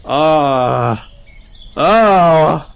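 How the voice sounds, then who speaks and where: A man narrating his character's actions in a tabletop roleplaying game, halting and bemused as he goes. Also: a little high, lively intonation, gravelly, clear, resonant tone. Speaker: player in a tabletop roleplaying podcast. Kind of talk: improvised first-person roleplay narration.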